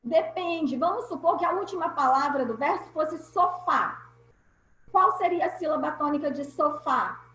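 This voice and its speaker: Woman teacher, brazilian portuguese accent, high voice, patient explaining, echoey room, video call. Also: animated, normal speed, a bit bright. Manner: patient, explanatory, repeats key points. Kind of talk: online class lesson.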